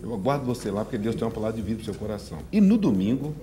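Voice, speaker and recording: A man's voice: fairly low pitch, sing-song, very fast, dark tone, slight background noise. A man, a pastor chatting on a TV talk show and promoting church services. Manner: upbeat promotional delivery with laughs. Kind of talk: casual talk-show chat and church announcements. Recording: music bed behind the voice.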